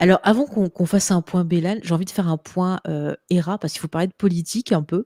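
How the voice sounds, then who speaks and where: On a very clean, dry, close recording with a silent background and no echo, a woman speaks at a moderate pace in a dark, mellow tone with fairly low pitch. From southern France. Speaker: podcast host. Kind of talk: casual chat. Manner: animated.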